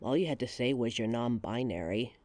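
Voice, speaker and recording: A man's voice: medium pitch, brisk, a little mellow, no room sound, natural voice. A man voicing a guarded, blunt werewolf in a scripted audio drama. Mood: exasperated. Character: guarded werewolf searching for a stolen mate.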